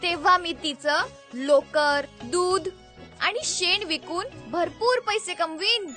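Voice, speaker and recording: A woman voicing a clever, patient young woman in an animated story, articulate and self-assured. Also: very high voice, slow pace, over music. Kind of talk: animated storybook character acting.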